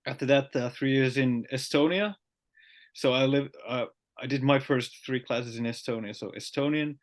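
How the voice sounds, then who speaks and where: A man with a Finnish accent, a podcast host talking casually and often pausing with fillers. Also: medium pitch. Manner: chatty, halting with frequent "uh" fillers.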